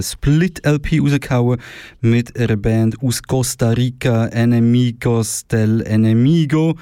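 A young man hosting a radio music show in a relaxed, halting way with lots of filler sounds. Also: medium pitch, dry recording, studio quality. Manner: laid-back, halting, many filler sounds. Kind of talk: casual radio music presenting.

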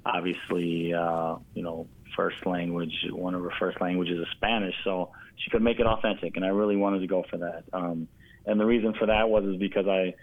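A man's voice: low voice, no echo. An American man talking casually and earnestly as an interview guest, rambling a little, over a tinny, narrow line. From United States. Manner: rambling, earnest, often says "you know". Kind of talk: casual conversation.

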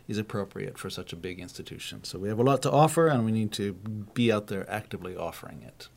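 Low-voiced American man, relaxed guest. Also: fast talker, vocal fry. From United States. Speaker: university rector, podcast guest. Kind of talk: relaxed conversational interview.

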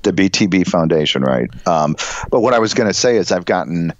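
A middle-aged man with a head cold, nasal and stuffed up, co-hosting a podcast with dry, deadpan jokes. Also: low-pitched, a little fast, no echo, lo-fi sound. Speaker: podcast co-host. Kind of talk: casual chat.

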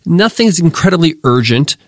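Man, nasal, congested from a cold, fairly high voice, dry close sound, upbeat podcast host. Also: sing-song, moderate pace, no echo. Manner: upbeat, motivational, direct to listeners. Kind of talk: solo business podcast lesson.

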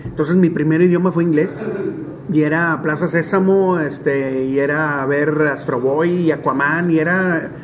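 A man in his forties from Monterrey with a northern Mexican accent, telling stories in an interview in a chatty, animated way with many fillers. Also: on the high side, unhurried, noisy background. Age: 40s. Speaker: stadium DJ and announcer. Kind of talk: relaxed storytelling interview.

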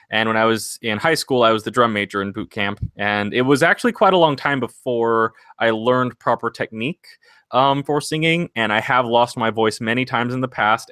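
A man's voice: lowish voice, sharp tone, no room sound, studio quality. A man hosting a singing podcast, talking casually and earnestly, rambling into motivational encouragement. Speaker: singing podcast host and vocal coach.

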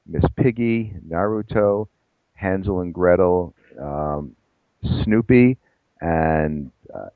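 Deep-voiced man, dry self-deprecating talk. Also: a little mellow, dry recording, low-quality recording. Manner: self-deprecating, discursive with many restarts. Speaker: guest psychologist and professor. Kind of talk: conversational interview answers.

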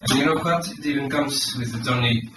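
A man's voice: mid-range voice, a little fast, far from the mic, background noise, natural voice. A man playing a boastful former KGB agent with a put-on Russian accent and broken English, hawking gadgets like a proud salesman. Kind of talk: comedy sketch in character. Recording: very echoey room, off-mic, music behind.

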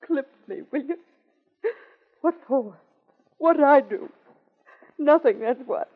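A woman's voice: high-pitched, expressive, slow pace. An actress playing a tough-talking young woman with slangy, streetwise speech, in 1940s radio acting. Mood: indignant. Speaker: anonymous telephone informant. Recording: dull old radio broadcast.

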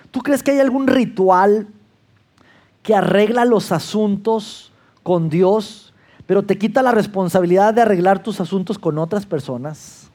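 A man's voice: sits high, a little mellow. A man in his fifties with a Mexican accent, preaching a sermon in a conversational way and acting out the prayers and voices he quotes. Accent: Mexican Spanish. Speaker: pastor.

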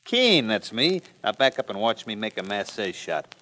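An actor playing a cocky, boastful gangster who talks in slang, in a 1950s radio drama. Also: male voice, lowish voice, big pitch swings, moderate pace, sharp tone, a little hiss or hum. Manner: brash, swaggering, slangy. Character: cocky boastful male gangster shooting pool.

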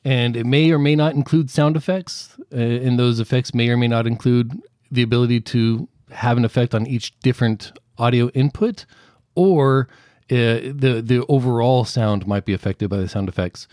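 Deep-voiced man explaining audio gear. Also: darkish tone, dry recording, clean studio sound. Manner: halting, explains with many restarts and fillers. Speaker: podcast guest, audio consultant. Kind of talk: casual explanatory interview.

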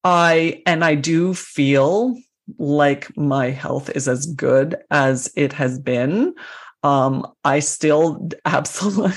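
A woman in her forties co-hosting a casual health podcast, talking informally and often circling back over her words. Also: lowish voice. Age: 40s. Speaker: podcast co-host.

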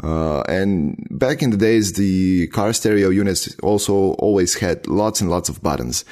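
A man speaking English as a second language, hosting a casual tech chat and pausing often with fillers. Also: sits low, darkish tone. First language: not English. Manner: hesitant, many filler pauses.

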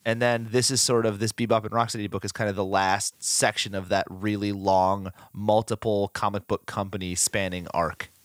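Still recovering from the flu, this podcast co-host talks enthusiastically about comic books in a casual way, using fillers as a fan would. He speaks at normal speed with few pauses in a lowish, level voice, recorded cleanly in a studio without echo.

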